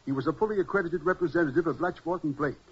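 Husky, high-pitched anxious gentleman client. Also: rapid-fire. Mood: formal. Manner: formal, hesitant, fussy. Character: anxious, courteous gentleman book collector. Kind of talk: 1940s radio drama acting. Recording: muffled vintage 1940s radio recording.

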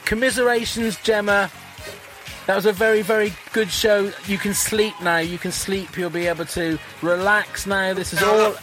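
A man co-hosts a podcast in a relaxed, joking way. His voice sits a little high, and faint music plays behind him. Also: normal speed. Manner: jokey, upbeat, laughing often. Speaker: podcast co-host. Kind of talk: casual podcast chat and promo.

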